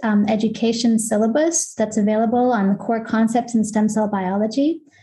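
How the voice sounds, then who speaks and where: Speaking at a moderate pace, a woman has a fairly high pitch, a dark, mellow tone, fairly even intonation and a somewhat breathy quality. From Canada. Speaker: neuroscientist. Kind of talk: casual chat. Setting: video call.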